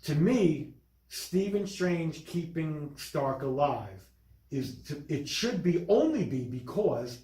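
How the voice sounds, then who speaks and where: A man's voice: a little high, sing-song, takes it slowly, mellow. A man hosting a casual film discussion, speaking in an emphatic, opinionated way. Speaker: podcast host reviewing films. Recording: roomy echo.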